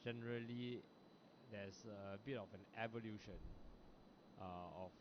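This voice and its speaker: A man from Singapore with a Singaporean English accent, giving relaxed, chatty live commentary on a bowls match, with frequent fillers. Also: on the low side, measured pace. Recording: lo-fi broadcast audio with background noise.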